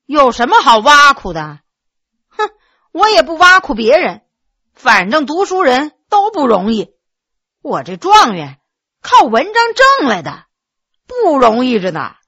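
A woman's voice: high-pitched, wildly swooping pitch, a little slow, pauses often, sharp tone, dry recording, clean studio sound, exaggerated voice. A woman voicing a dazed, self-important newly crowned male top scholar who rambles.

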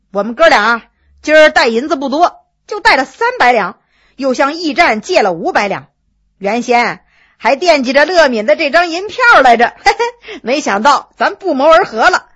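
A woman's voice: high-pitched, a bit bright, slightly rough, full character voice. A woman doing a kindly, coaxing nobleman. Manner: coaxing, chatty. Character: friendly male nobleman, persuasive and kindly.

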